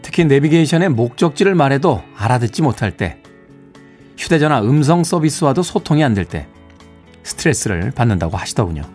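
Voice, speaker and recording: A man from Seoul, South Korea, hosts a morning radio show from the studio, reading listener texts in a lively, playful way and chuckling between messages. His voice is mid-range and fairly quick, with faint music behind him.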